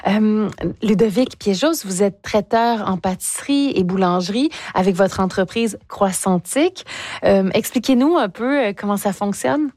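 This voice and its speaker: A woman hosting a casual interview, friendly and quick to laugh. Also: medium pitch, animated, a little mellow, no echo, studio quality. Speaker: radio interviewer.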